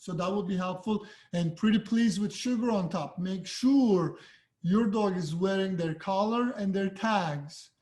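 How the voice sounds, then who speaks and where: Man, high voice, dog trainer, casual and direct. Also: measured pace, a little mellow. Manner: friendly, direct, loose and conversational. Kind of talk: casual tips video.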